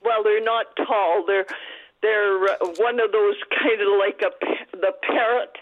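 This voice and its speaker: A woman calling in to a radio show on speakerphone, telling her story haltingly with many pauses. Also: medium pitch, fairly even intonation. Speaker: radio call-in caller. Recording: tinny speakerphone line, somewhat distant.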